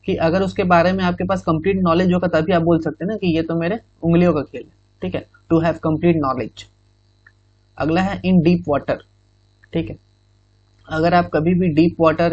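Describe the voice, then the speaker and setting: A man's voice: a little high, breathy edge, no echo. A male exam-prep teacher explaining idioms in Hindi with English phrases, often checking in with "theek hai". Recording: dull, muffled recording.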